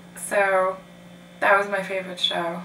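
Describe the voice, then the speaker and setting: With audible room echo and light background noise, a woman speaks at a very slow pace in a medium pitch. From Poland. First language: Polish. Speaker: interviewee. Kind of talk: interview answer. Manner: casual. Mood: warm, reflective storytelling. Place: home room.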